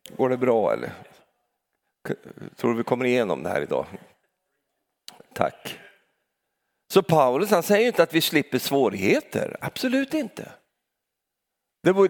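Man preaching with lively questions. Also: medium pitch, vocal fry. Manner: lively, talks straight to the congregation with rhetorical questions and tag "va?". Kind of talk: sermon.

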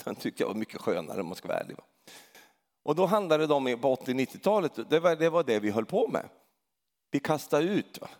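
A middle-aged man preaching a sermon in a chatty storytelling way, often tagging a questioning "va?" onto his lines and building to loud, emphatic peaks. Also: very animated. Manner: hesitant restarts, grows loud and emphatic at high points. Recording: long reverb of a large hall.

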